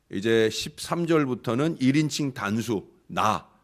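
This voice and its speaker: A man speaks at a very slow pace with a fairly high pitch. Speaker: pastor. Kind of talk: sermon. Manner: hesitant with many filler sounds.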